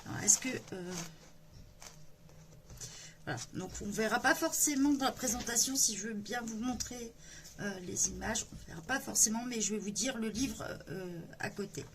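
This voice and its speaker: A chatty woman with a fairly high voice talks her viewers through a coloring book at an easy pace. She hesitates often and fills her pauses as she goes. A faint hum of ambience sits behind her. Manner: chatty, hesitant with many fillers. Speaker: coloring channel host. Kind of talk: casual book flip-through.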